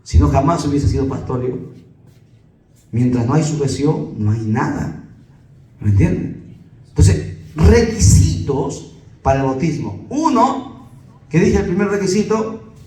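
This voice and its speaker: A pastor with a Peruvian Spanish accent, preaching emphatically to a congregation and firing off rhetorical questions. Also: male voice, fairly high pitch, expressive, a little slow, pauses often, dark tone, echoey room, far from the mic, rough recording.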